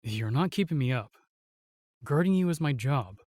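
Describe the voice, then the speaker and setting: A gallant, protective knight played by a man for a fantasy audio roleplay. He speaks formally and courteously in a middle-pitched voice. The sound is dry and close, the manner earnest and reserved. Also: lively intonation, normal speed, darkish tone, no echo, natural voice. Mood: gentle, courteous.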